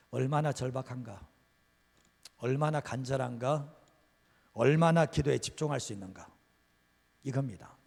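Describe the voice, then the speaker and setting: Casting: a male pastor with a fairly high voice, emphatic and full of rhetorical questions, preaching in a church with a long echo. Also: darkish tone. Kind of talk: sermon. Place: church sanctuary.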